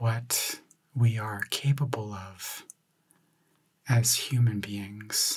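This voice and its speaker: The voice is soft-spoken, with a calm tone and a very slow pace. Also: man. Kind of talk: ASMR reflective talk. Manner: calm, slow.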